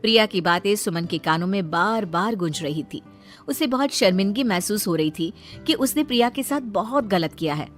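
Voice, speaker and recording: A woman narrating a cartoon moral story in an even storytelling manner. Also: mid-range voice, normal speed, soft background music.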